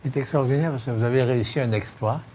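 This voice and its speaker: A man's voice: mid-range voice, quick pace, a little mellow. A man hosting a political interview show, formal but pointed in his questioning. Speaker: television host interviewing a guest. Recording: clear background noise.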